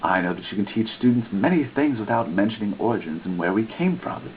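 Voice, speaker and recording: A man with a very low voice reads a written text in a mock-dramatic style, pushing his pitch and stress up and down theatrically. The recording is thin and phone-like, with a faint hiss under it. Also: fast. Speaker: reader. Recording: tinny lo-fi recording with faint noise.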